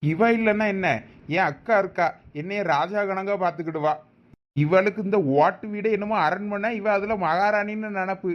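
A man's voice: high-pitched, fairly even intonation, normal speed, highs cut off. A man with a Thoothukudi Tamil accent acting as a husband in a village comedy drama, warning and grumbling.

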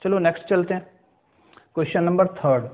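A man's voice: high-pitched, muffled recording. A man teaching a maths lesson, working step by step through problems and often asking whether the class understood. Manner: slow, step-by-step, checks understanding with questions.

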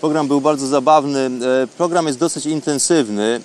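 A man hosting a programme, talking unscripted as in an audio travel diary, with halting, reflective phrasing. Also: medium pitch. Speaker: radio programme host. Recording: faint background ambient noise.

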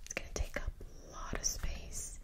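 A woman hosting ASMR in a breathy whisper close to the microphone, chatting casually and softly repeating words and phrases. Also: moderate pace. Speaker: ASMR video host. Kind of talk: whispered ASMR, casual and playful chat while showing objects. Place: small indoor room, seated at a table. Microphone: large desktop microphone, close up.

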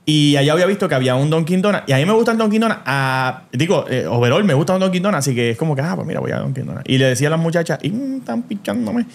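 A man's voice: on the high side, racing, gravelly, hardly any pauses. A man with a Puerto Rican accent, hosting a podcast and telling stories in casual chat, dropping English words and restarting often. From Puerto Rico. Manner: animated storyteller, mixes English words, many restarts. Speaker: podcast host.

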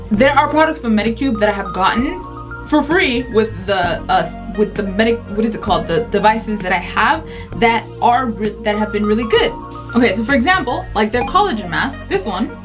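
A woman beauty vlogger chatting casually through a product review, with slang and playful asides. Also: a little high.

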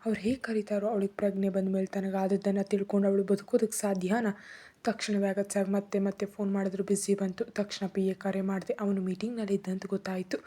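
A woman tells a first-person drama in a hushed, half-whispered way. Her voice is husky and mellow, and her pitch stays fairly flat even in tense moments. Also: fairly quick. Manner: soft, often whispery. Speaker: storyteller. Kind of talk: first-person story narration.

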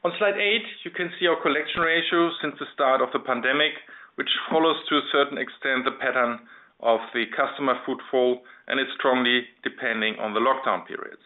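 A male executive with a German accent presents company results over a thin, narrow telephone connection. His voice sits at an average pitch. He is formal and measured, clearly reading from a prepared script. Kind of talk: scripted financial presentation on a conference call. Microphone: telephone conference line. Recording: narrow phone-line sound.

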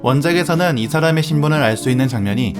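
A man's voice: fairly high pitch, quick pace. A man narrating a scripted anime review as the reviewer. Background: music.

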